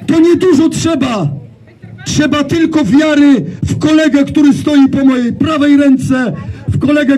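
A man with a Polish accent giving a fiery, slow, emphatic speech to an outdoor gathering, shouting much of it. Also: very high-pitched, rough recording. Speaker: rally speaker.

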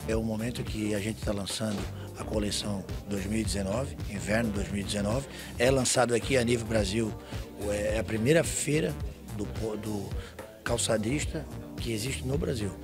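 Brief: man, 50s, earnest business interview, clear music bed. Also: lowish voice, moderate pace. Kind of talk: casual interview. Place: trade show stand. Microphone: handheld mic. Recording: clear music under speech.

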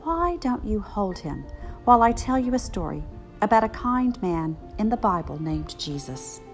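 A woman voicing a kind, reassuring grandmother who gently instructs a child in a picture book. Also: mid-range voice, sing-song, moderate pace, soft background music, voice pushed down.

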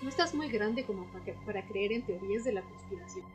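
A woman's voice: medium pitch, lively intonation, brisk, natural voice. A woman playing a guarded, mysterious woman in a radio drama, speaking in terse, cryptic lines. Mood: skeptical. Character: guarded, mysterious woman who knows history's secrets. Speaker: supporting actor. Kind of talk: audio drama dialogue. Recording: music bed under the voice.

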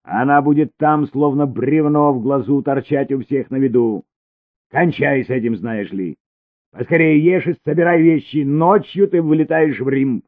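A man's voice: deep voice, fairly even intonation, normal speed, dry recording, lightly acted. A man doing a barking, domineering man. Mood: angry. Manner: barking, commanding. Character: domineering, hot-tempered man. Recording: tinny phone-like recording.

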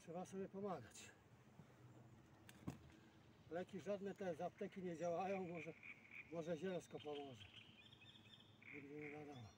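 Out on open water in a boat, a man in his sixties from Poland mutters to himself while fishing, rambling casually and poking fun at himself for his vlog. He speaks on the high side, unhurried and pausing often, and the distant outdoor mic picks up clear background noise.

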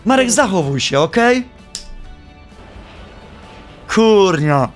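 A man streaming live, giving gameplay commentary in an animated, joking and playfully exasperated way. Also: high voice, a little slow, faint music behind.

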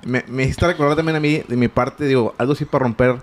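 A man hosting an interview, talking haltingly with many restarts and fillers. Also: medium pitch, fairly even intonation. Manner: halting, fills with "este". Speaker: podcast host. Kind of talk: casual interview.

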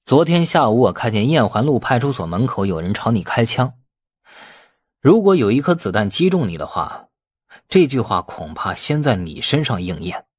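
A man's voice: mid-range voice, sing-song, normal speed, slightly rough, dry recording, clean studio sound. A man voicing a brazen, cunning man who defies the police in an audiobook, taunting and defiant.

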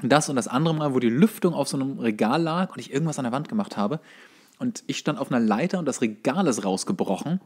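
A man's voice: medium pitch, expressive, quick pace, darkish tone, breathy edge. A man telling anecdotes in casual chat as a podcast co-host.

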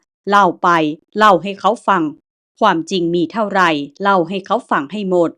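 A woman voicing a huge, gruff male guard of the underworld who barks coarse orders. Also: mid-range voice, moderate pace, darkish tone, lightly acted. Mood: scolding. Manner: barking, coarse.

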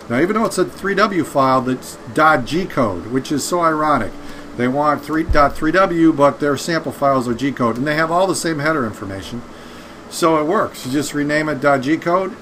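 Higher-voiced middle-aged man, casual tutorial. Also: fairly bright tone, a little hiss or hum. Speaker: YouTube host showing workshop tips. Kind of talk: casual explanatory tutorial to camera. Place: indoor home workshop.

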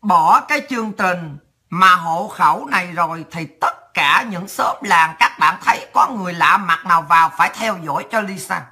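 A woman's voice: fairly low pitch, normal speed, pushed and bright, breathy edge. A woman with a Southern Vietnamese accent delivering a heated, sarcastic, coarse political rant as a commentator.

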